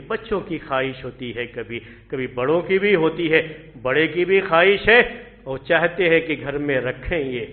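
A man giving a Friday sermon in a mosque, earnest and repetitive, now hushed, now loud. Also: medium pitch. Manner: earnest, repeating points and swinging from soft to loud. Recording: tinny phone-like audio.

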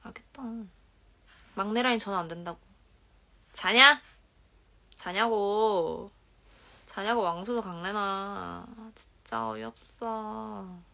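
Speaking slowly at a medium pitch, with vocal fry and long pauses, a young woman in her twenties hosts an idol livestream. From her dim bedroom, phone at arm's length, she reads comments aloud in a relaxed, casual way, her Korean regional dialect clear. Her soft-spoken manner drifts into whispers and giggles.

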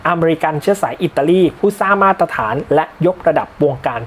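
Male history narrator, fairly high voice, relaxed and polite delivery, light background hiss. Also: fairly quick. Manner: relaxed, polite, with small slips and fillers. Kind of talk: informal history lecture.

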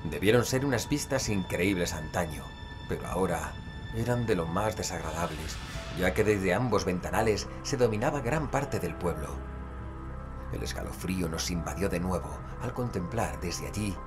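Horror audio-series investigator, skeptical storyteller, low voice, music underneath. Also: male voice, expressive, normal speed. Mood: grave, ominous. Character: male investigator narrating a horror tale, skeptical. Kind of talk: dramatic audio-fiction narration and dialogue.

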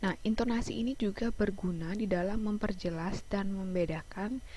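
A woman teacher with an Indonesian accent giving an online class over a video call, explaining slowly with many fillers and restarts. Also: medium pitch, steady tone, dark tone, slightly rough, rough recording. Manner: hesitant explaining, frequent fillers, self-corrections.

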